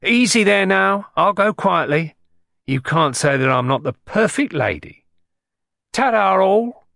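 A man's voice: high-pitched, animated, unhurried, creaky, fairly bright tone, dry recording, studio quality, voice pushed up, exaggerated voice. A man doing a gushing young con woman. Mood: brassy. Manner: gushing, then brassy. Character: young woman con artist posing as a lady.

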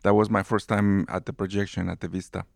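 A man's voice: sits low, fast, gravelly, no echo, clean studio sound. A man in his fifties from Guatemala with a Guatemalan Spanish accent, animatedly telling his life story in an interview. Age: 50s. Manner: warm, animated storyteller who laughs easily. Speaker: movie theater manager.

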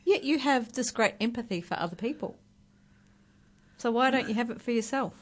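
A woman's voice: on the high side, expressive, normal speed. Thoughtful woman radio host. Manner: thoughtful, rephrases questions as she goes. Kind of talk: radio interview.

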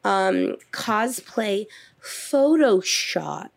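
A woman's voice: mid-range voice, big pitch swings, very slow, vocal fry. A woman in her thirties co-hosting a podcast, blunt and swearing freely as she tells dramatic stories, worn out after an illness. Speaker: podcast co-host. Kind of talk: casual chat.

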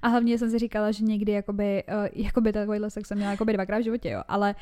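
A woman's voice: medium pitch, flat delivery, a little mellow. A young woman co-hosting a podcast, chatting frankly and bluntly, swearing freely and giggling often. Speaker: podcast co-host. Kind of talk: casual frank podcast chat.

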